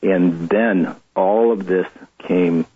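Middle-aged male guest, deep and husky, earnest halting testimony over a tinny phone-like line. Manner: earnest, halting confessional storytelling. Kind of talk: personal testimony interview.

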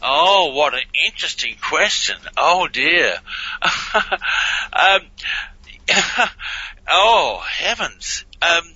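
A man's voice: fairly high pitch, sing-song, drawn-out words, bright, forceful tone, husky, dry recording. A man speaking as a guest in a radio interview, chatty and prone to chuckling and exclaiming. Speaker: guest, researcher of reversed speech. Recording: muffled lo-fi audio.

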